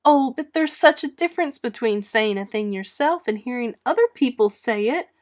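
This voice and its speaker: Here is an eleven-year-old orphan girl acted by a woman from a storybook. She speaks high and emphatically, with wounded pride. She pleads and defies with great melodrama. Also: lively intonation, moderate pace, lightly acted. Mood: indignant, wailing.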